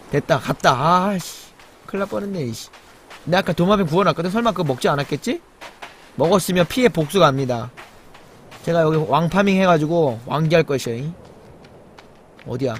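A young male streamer with a high voice that swings widely. He drops to low mutters as he creeps through the game, then bursts into loud yelps when something startles him. Faint noise sits behind his talk. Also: expressive, moderate pace, long pauses. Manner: chats with viewers and reads the chat. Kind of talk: live game commentary.

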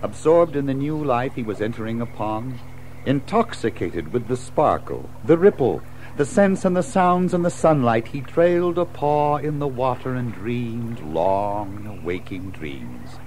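A man's voice: medium pitch, lively intonation, measured pace, a little mellow, slight background noise, poor audio. A man narrating a children's story in a dramatic, scripted storybook style.

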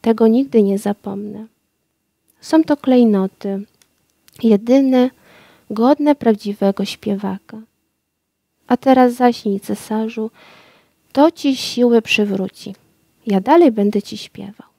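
A woman voicing a small, wise and kind male nightingale in a storybook reading, speaking softly and tenderly. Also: a little high, slow pace, gravelly, long pauses, no room sound, heavily acted.

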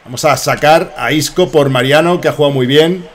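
A young man from Spain with a Spanish accent, giving rambling, excitable commentary while playing a soccer game and swearing often. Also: a little high, brisk, slight background noise. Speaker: gaming streamer.

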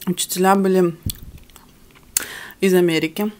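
A woman's voice: fairly low pitch, flat delivery, normal speed, darkish tone. A young woman whose first language is not Russian, chatting candidly to camera between bites in her living room. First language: other than Russian. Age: young adult. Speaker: mukbang vlogger. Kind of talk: casual chat to camera while eating. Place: living room at home, indoors. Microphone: camera on the table in front of her.

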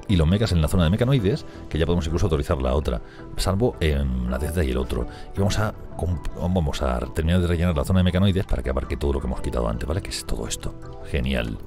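A man commenting on a strategy game he is playing, talking fast and excitably, swearing and laughing often. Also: very deep voice, music in the background. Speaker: gameplay streamer.

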